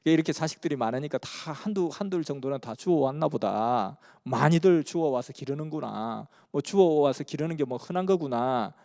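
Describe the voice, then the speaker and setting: A man's voice: on the high side, expressive, normal speed, creaky, hardly any pauses, darkish tone. A man from Busan, earnestly telling a story in a sermon. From Busan, South Korea. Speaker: preacher. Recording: long hall reverb.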